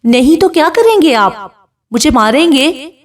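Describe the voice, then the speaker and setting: A woman's voice: high-pitched, expressive, voice pushed up. A woman reading as a frightened young bride. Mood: defiant. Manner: pleading, tearful. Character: young bride, defiant then pleading.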